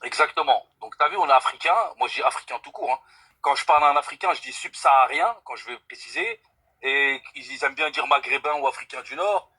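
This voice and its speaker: A man's voice: mid-range voice, fast, bright, forceful tone, husky, rough recording. A young man from France calling in to a live stream, speaking earnestly and emphatically and swearing by God to stress his points. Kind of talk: casual debate call.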